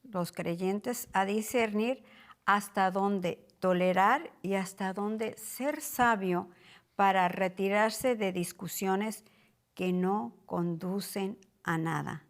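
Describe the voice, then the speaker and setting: A middle-aged woman co-leads a Bible study, speaking very slowly and deliberately. She repeats her key lines so they sink in. Her pitch is in the middle range for a woman. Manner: slow, deliberate, repeats points for emphasis. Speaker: co-pastor teaching a Bible study.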